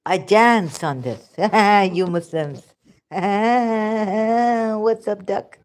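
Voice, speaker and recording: Drawing out her words in a mid-range voice, a woman vlogger with a Pakistani accent rambles through sarcastic religious commentary in broken English.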